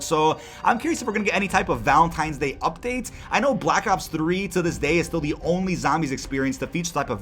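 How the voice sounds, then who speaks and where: A man's voice: on the high side, fairly bright tone. A man hosting gaming news commentary, speaking emphatically and directly to his viewers. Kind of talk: scripted-sounding gaming news commentary to camera audience.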